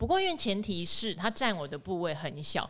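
With a plain, everyday voice, a woman speaks at a medium pitch and fairly quick pace in a very clean recording with a silent background. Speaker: podcast co-host. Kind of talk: casual chat about investing news.

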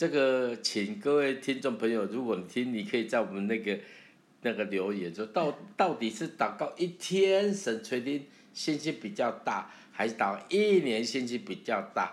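Very wide pitch swings mark a man's speech at a fairly slow pace. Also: medium pitch for a man. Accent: Taiwanese. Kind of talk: casual chat.

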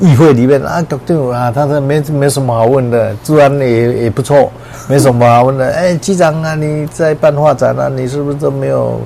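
With noticeable background noise behind him, a man with a fairly high voice talks with hardly any pauses. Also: fairly even intonation, moderate pace. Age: 70s. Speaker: retired police chief and ink painter. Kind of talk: interview. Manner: hesitant, many fillers.

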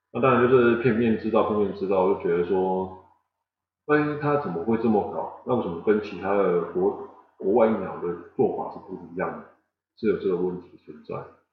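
The speech moves at a fairly quick pace with big swings in loudness and a somewhat breathy quality. Room echo is audible. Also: man, ordinary pitch variation. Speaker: podcast co-host. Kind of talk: casual chat.

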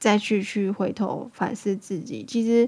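At medium pitch, a woman speaks at a fairly slow pace with ordinary pitch variation. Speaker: podcast host. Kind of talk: personal reflective monologue. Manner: hesitant, with many fillers.

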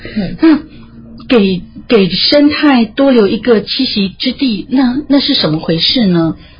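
Noticeable background noise sits behind a woman with a fairly high pitch. She talks at a fairly slow pace, her pitch swinging very widely. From southern Taiwan (Pingtung, rural). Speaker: organic farmer and nature guide. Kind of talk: interview.

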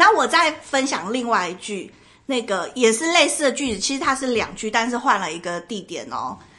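A woman talks loudly at a moderate pace, her high, bright, sharp voice making very wide pitch swings. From Taiwan, Hakka background. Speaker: podcast co-host. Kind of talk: casual chat.

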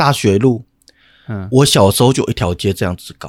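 In a very clean recording with a silent background and a dry, close sound with no echo, a man has a normal speaking voice, fairly low in pitch with ordinary pitch variation. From Taiwan, Tainan. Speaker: podcast co-host. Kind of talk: casual chat.

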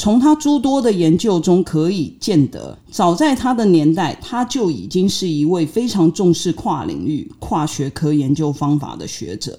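A dark, mellow tone with very wide pitch swings and hardly any pauses. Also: woman, fairly low pitch for a woman. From Taiwan. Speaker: literature scholar. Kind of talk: scripted narration.

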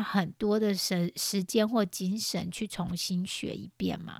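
Somewhat breathy, a woman's voice comes through a dry, close sound with no echo on a very clean recording with a silent background. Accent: Taiwanese. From Taiwan. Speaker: life coach and podcast host. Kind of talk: personal monologue podcast. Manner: warm, gentle.

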